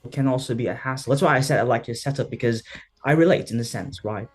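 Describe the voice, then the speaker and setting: A man's voice: mid-range voice, fast, breathy edge. A man from the Philippines with a British English accent, a guest answering interview questions over a video call in an earnest, reflective way. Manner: earnest, reflective, sprinkles in "right?" and "you know". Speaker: guest, singer-songwriter.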